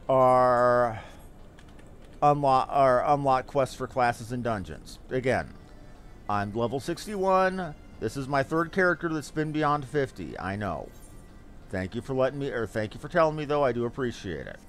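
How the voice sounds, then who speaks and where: A man's voice: medium pitch, a little hiss or hum. A man giving casual livestream commentary as he plays a game and talks to his viewers. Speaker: game streamer.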